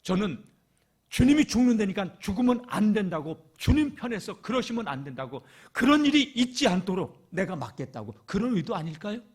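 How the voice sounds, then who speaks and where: Male pastor, Sunday sermon in a church. Husky, lively, keeps calling out to the congregation. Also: high voice, fairly quick. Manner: animated, addresses the congregation often, swings between loud and hushed.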